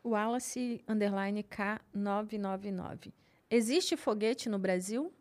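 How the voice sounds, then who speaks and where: A woman's voice: medium pitch, takes it slowly, darkish tone. A woman, reading viewer names and questions aloud as co-host. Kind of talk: casual live-stream chat.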